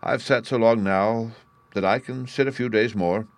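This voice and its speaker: A man's voice: mid-range voice, normal speed, no echo, close to an everyday voice. A man voicing a weary, fretful mother duck. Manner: weary, complaining.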